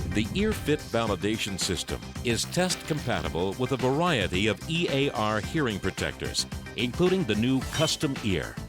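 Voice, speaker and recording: Man's medium-pitched voice with very wide pitch swings and very even loudness, moderate pace, music in the background. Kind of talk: corporate promotional narration.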